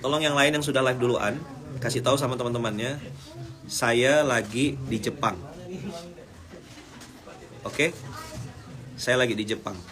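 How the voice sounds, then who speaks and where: A man's voice: medium pitch, steady tone, fairly quick, pauses often, echoey room. A man from Indonesia preaching a humorous sermon to a live audience, teasing the crowd and asking them questions. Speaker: Islamic preacher. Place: hall in Japan.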